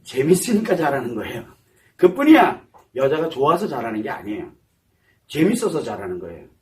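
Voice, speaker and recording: A man's voice: medium pitch, big pitch swings, brisk. A man giving a psychology lecture, asking the audience questions and answering them himself. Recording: voice somewhat far from the mic.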